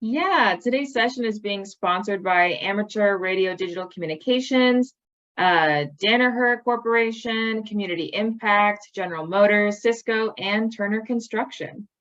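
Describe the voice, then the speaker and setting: A woman's voice: mid-range voice, moderate pace, fairly bright tone, lo-fi sound. A young woman hosting an online program event, speaking casually with lots of ums and likes. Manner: casual, filler-heavy, with many ums and likes. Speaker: program host.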